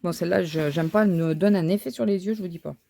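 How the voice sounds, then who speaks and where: A woman's voice: fairly low pitch, fast talker, vocal fry, mellow, a little hiss or hum. A woman thinking aloud as she crafts, talking casually with frequent fillers and restarts. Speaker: crafting vlogger. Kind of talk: casual chat while crafting.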